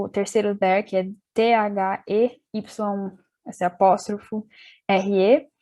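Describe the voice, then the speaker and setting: A woman's voice: mid-range voice, darkish tone. A young woman teaching an English class, talking casually, restarting sentences and spelling words out letter by letter, with a London accent when she speaks English. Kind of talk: casual online class explanation.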